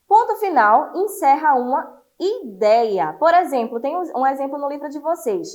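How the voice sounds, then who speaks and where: A woman teacher from Brazil giving an online class to children, lively and encouraging, explaining step by step. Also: sits high, normal speed.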